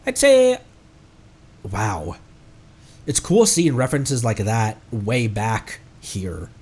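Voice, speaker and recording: A man's voice: on the low side, big pitch swings, takes it slowly, a little mellow, breathy edge. A man streaming a video game with casual, jokey live commentary. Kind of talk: casual live game commentary mixed with acted dialogue reading.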